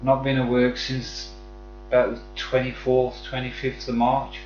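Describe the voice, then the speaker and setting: A man with a Black Country accent talks at an unhurried pace in casual, friendly livestream chat. He addresses viewers like mates. The sound is dull and roomy, with faint music behind him. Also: medium pitch, completely flat delivery, darkish tone. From West Midlands, England. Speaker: live streamer chatting with viewers.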